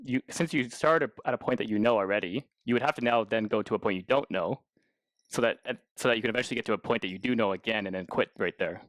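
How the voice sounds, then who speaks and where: A quick-talking male podcast co-host with a mid-range voice, chatting casually. He restarts phrases eagerly as he asks and comments, and the recording is dry with very little room sound. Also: on the low side, a bit bright, no room sound, low-quality recording. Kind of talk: casual interview chat. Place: indoors in a house.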